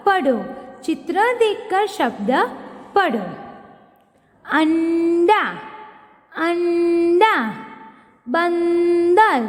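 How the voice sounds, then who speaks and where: A woman teacher with a very high, lively voice, stretching out each word and saying it twice so small children can follow. Her words ring on in a long reverb. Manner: slow, drawn-out repetition of words for children. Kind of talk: recorded grade one Hindi lesson.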